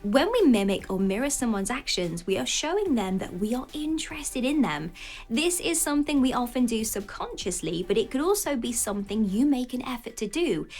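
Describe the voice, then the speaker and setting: A woman reading scripted dating advice as a voice-over, in an expressive style that slows down on each heading. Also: fairly high pitch. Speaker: channel narrator.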